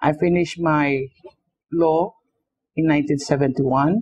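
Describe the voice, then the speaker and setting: Very deep, low female speech, delivered fairly slowly. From Philippines, Manila. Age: 60s. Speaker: lawyer. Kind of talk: documentary interview.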